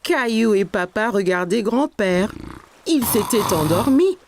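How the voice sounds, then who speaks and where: A woman's voice: medium pitch, expressive, unhurried, heavy background noise. A woman narrator reading scripted story narration for a French children's cartoon.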